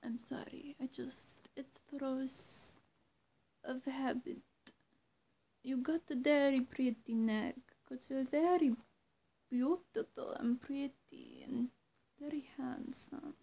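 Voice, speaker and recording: Woman playing a high-voiced, coy female vampire. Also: creaky, warm tone, slightly rough, exaggerated voice. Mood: flustered. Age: young adult. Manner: coy, halting, cooing endearments. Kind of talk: ASMR-style roleplay addressed to the viewer. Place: small indoor room, seated on a bed. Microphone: camera or phone at arm's length.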